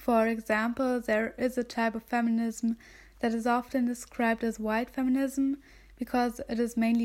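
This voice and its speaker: A woman's fairly high voice with a German accent, flat and monotone at a moderate pace, on a very clean recording with a silent background. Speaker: student podcast host. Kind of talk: scripted explanation.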